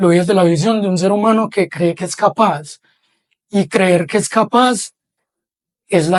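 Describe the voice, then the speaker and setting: This man's voice sits high. He talks fairly slowly. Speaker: singer. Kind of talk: interview conversation.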